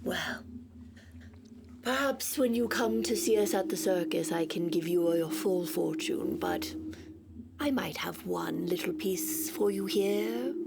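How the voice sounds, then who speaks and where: A woman uses a put-on character voice at a fairly slow pace. Clear background noise runs behind her. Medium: actual play. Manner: grand, measured, mystical.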